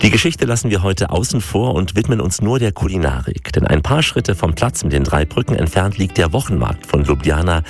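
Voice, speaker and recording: A man's voice: deep voice, animated, a little fast, few pauses. A man hosting a radio travel feature, moving between scripted narration and questions put on location. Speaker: radio travel reporter and host.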